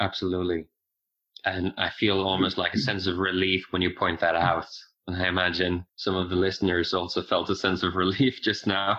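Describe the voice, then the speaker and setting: A man with a Norwegian accent talks at a fairly quick pace in a very deep, low voice with a bright, sharp tone, flat monotone intonation and very even loudness against a quiet background. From Norway. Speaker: men's coach. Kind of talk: in-depth interview conversation.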